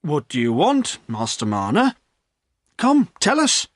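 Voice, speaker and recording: A man's voice: a little high, wildly swooping pitch, takes it slowly, no echo, studio quality, pitched above the performer's own voice, heavily acted. A man doing a firm, peacekeeping innkeeper. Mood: calming. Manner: firm, soothing.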